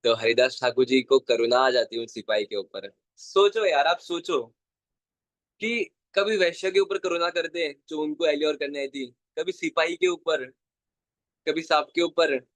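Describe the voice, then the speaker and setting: A man's voice: a little high, fairly even intonation, normal speed, fairly bright tone, no echo. A young man telling a devotional story in an earnest way, repeating phrases for emphasis and mixing in English words. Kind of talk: Hindi devotional story talk.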